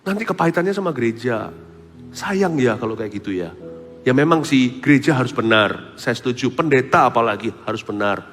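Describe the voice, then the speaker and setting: A man preaching a sermon as pastor, animated, swinging between loud exclamations and soft asides. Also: mid-range voice, brisk. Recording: preaching hall with long reverb and faint music.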